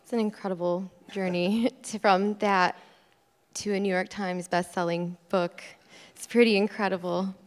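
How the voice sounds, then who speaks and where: A woman's voice: mid-range voice, steady tone, moderate pace. A woman interviewing an author on a theater stage, asking admiring questions into a handheld mic. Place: theater stage before an audience. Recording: long hall reverb of a theater.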